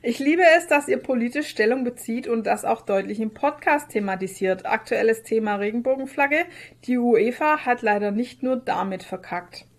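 A woman co-hosting a podcast in casual, chatty, expressive conversation. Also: on the high side, normal speed. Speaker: podcast co-host.

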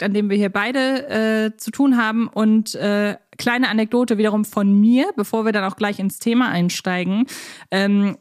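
A woman co-hosts a podcast with a fairly high voice. She is talkative and teasing, chatting casually. The sound is dry, with hardly any room on it. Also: no room sound. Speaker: podcast co-host. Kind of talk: casual chat.

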